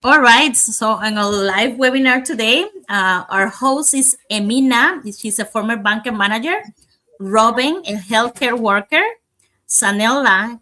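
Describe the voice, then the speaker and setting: Bright-voiced woman. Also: fairly high pitch, poor audio. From Cuba. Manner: lively announcing, reads name lists. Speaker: co-host. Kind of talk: casual show chat.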